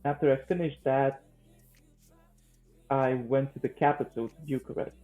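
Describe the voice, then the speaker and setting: A man in his twenties from Romania with a Romanian accent, answering interview questions conversationally in a halting way, often repeating words. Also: mid-range voice, steady tone, soft background music. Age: 20s. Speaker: guest, vocal coach and singer-songwriter. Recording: thin phone-like line.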